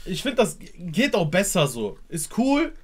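Slightly high-voiced man announcing entries, brief and agreeable. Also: wildly swooping pitch, a little slow. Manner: short, agreeable interjections. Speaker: show moderator introducing entries. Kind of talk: casual reaction chat.

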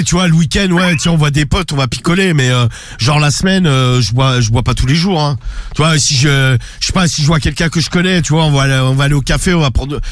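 A man co-hosting a radio show, chatting casually in informal slang. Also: on the high side. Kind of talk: casual banter.

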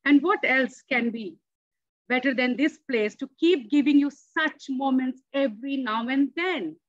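A woman in her forties whose first language is Hindi speaks with earnest emphasis, her voice a touch high. The video call audio is dull and lo-fi, and the sound is dry and close. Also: a little slow, no room sound. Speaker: club member answering a table topic. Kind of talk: impromptu speech. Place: home room.

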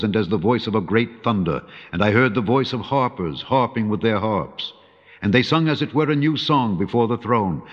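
A low-voiced man reads scripture slowly and solemnly, drawing out key phrases. His voice rings in a long reverb, with a dull, muffled sound and faint music underneath. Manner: measured, solemn delivery, slowing for emphasis and rising when quoting angels. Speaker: Bible reader. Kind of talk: dramatic scripture reading.

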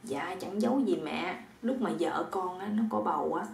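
A woman with a Southern Vietnamese accent voicing a sly young son-in-law who talks in a soft, coaxing, pleading way. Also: fairly low pitch, normal speed, gravelly, distant mic. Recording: roomy echo.

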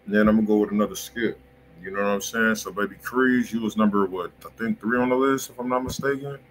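A man's voice: fairly low pitch, fast, a little hiss or hum, rough recording. A man with an American accent hosting a music review in casual, slangy, profane talk full of repeated catchphrases. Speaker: music review show host. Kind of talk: casual chat, live music feedback. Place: indoor room, livestream.

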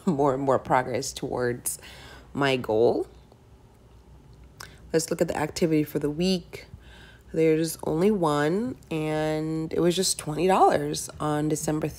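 A woman in her thirties talks in a low, gravelly voice, chatting openly and casually to her viewers. Her delivery is loose and conversational, sprinkled with "like" and "right". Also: a little mellow. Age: 30s. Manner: chatty, candid, with fillers like "like" and "right". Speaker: personal finance vlogger. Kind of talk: casual voice-over over screen recording.

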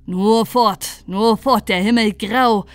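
A woman voicing a cold, grim knight who speaks loudly in chanting rhymes. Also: mid-range voice, takes it slowly, clear, resonant tone, no room sound, natural voice.

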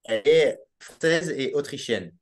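A man's voice: mid-range voice, expressive, unhurried. A young man from Belgium with a Belgian French accent, a podcast guest talking casually and hesitantly over a video call from a small home room. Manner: hesitant, with many restarts and fillers. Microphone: laptop webcam mic on a video call.

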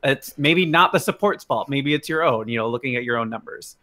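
A man's voice: medium pitch, animated, a little fast, pushed and bright. A man co-hosting a casual gaming podcast, talking with hesitant starts and plenty of fillers. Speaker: podcast co-host.

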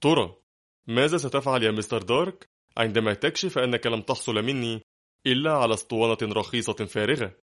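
A man's voice: medium pitch, fast talker, fairly bright tone, lightly acted. A man voicing a tense, nervous hero. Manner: nervous and strained, sometimes mocking. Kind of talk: audiobook character reading.

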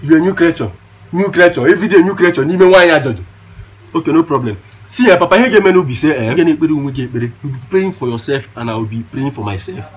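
Fast, high-voiced mocking Nigerian son. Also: male voice, husky. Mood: exasperated. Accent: Nigerian Igbo. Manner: sarcastic, repetitive, code-switching. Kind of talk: comedy film acting in English and Igbo.

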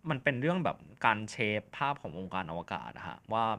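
A man's voice: lowish voice, big pitch swings, fairly quick, sharp tone. A man co-hosting a podcast, explaining his views thoughtfully and at length. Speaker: podcast co-host. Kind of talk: casual chat.

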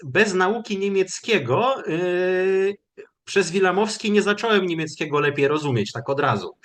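A man giving a lecture, answering questions after a webinar in a measured, explanatory way with hesitant fillers over a video call. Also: sits high, a bit bright.

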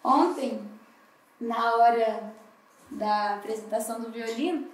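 A woman's voice: on the high side, takes it slowly, recorded from a distance. A woman with a Brazilian Portuguese accent giving a heartfelt morning devotional sermon at a church congress, voicing her own prayers as she speaks. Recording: roomy hall, voice a bit off the mic.

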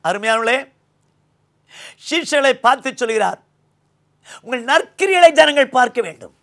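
An older man with a Tamil accent preaching a sermon from a small indoor studio on a lapel mic, swinging between loud emphasis and low quiet lines. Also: lively intonation, moderate pace, creaky. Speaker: pastor.

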